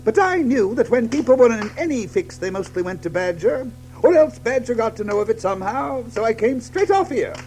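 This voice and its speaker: Very high-pitched, brash otter. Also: male voice, lively intonation, brisk, a little mellow, soft background music, low-quality recording. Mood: breezy, boastful. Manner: breezy, boastful. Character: brash, jaunty, confident male otter. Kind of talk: dramatized children's audio storybook.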